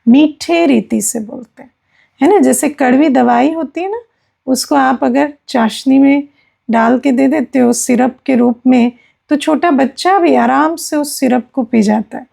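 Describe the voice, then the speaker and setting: A woman spiritual teacher giving a gentle explanatory discourse, often checking in with her listeners. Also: high-pitched, a little slow, creaky.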